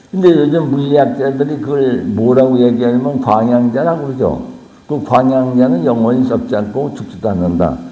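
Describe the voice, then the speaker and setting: Noticeable noise sits in the background. Over it, a man talks with lively intonation. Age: 80s+. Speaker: Buddhist monk. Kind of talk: Buddhist dharma talk.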